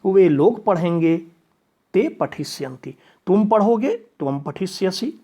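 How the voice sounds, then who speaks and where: Husky man explaining Sanskrit grammar. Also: sits high, lively intonation, unhurried, warm tone. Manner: patient step-by-step explaining, reciting verb forms. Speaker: Sanskrit teacher. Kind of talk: classroom grammar lesson.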